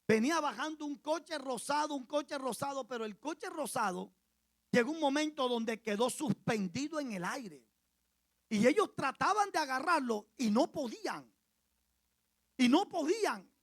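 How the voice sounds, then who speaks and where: A male pastor with a Colombian Caribbean accent preaches a sermon as a story, repeating phrases for emphasis and swinging from soft asides to loud cries. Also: very high-pitched, no room sound. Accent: Colombian Caribbean Spanish.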